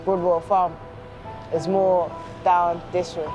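A young man outdoors, casually and quickly pointing out the places around him. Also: high-pitched, level tone, over music, poor audio. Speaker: student sailor. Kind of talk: documentary interview.

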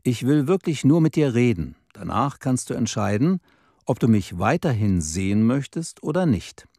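A man playing an earnest suitor in a spoken story, pleading gently with a woman. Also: medium pitch, sing-song, moderate pace, dry recording, studio quality. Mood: pleading, gentle.

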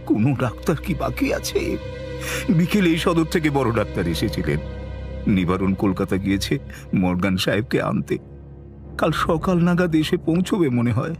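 Actor as a remorseful, anguished man confessing, wildly swinging pitch. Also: big pitch swings, music in the background, lightly acted. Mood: despairing. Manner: halting, dramatic, anguished confession. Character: remorseful Bengali elder brother confessing a sinful occult curse. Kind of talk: radio horror drama acting.

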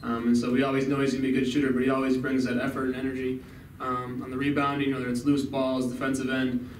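Fast-talking young man in an echoey room. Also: mid-range voice. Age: young adult. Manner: steady, fluent, frequent "um, you know". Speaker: college basketball player. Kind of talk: postgame press conference answers. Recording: echoey room, mic at a distance, background noise.

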